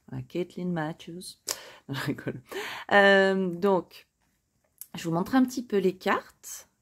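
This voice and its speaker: A woman chatting casually as she lays out tarot cards for her viewers, hesitating often and joking at her own expense. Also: medium pitch. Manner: chatty, hesitant with frequent fillers, self-joking. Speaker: tarot card reader. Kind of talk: casual spoken card reading.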